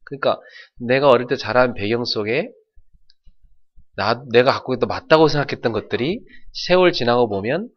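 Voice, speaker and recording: A middle-aged man from North Jeolla preaching a sermon as pastor, telling folksy stories and shouting out imitations. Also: medium pitch, moderate pace, lo-fi sound. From North Jeolla, South Korea.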